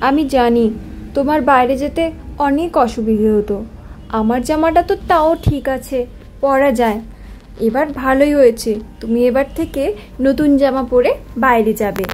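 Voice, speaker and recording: Woman acting sweet, high-voiced village daughter. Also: moderate pace, a little mellow, slight background noise, lightly acted. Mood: caring. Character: caring young village daughter, anxious and sweet. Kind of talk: cartoon story dialogue.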